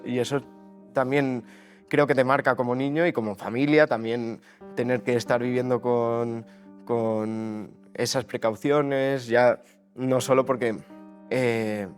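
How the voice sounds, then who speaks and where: A man in his twenties from Spain's Basque Country, giving a testimony in an interview and often stopping to restart his words. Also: mid-range voice. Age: 20s. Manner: hesitant, many restarts and fillers.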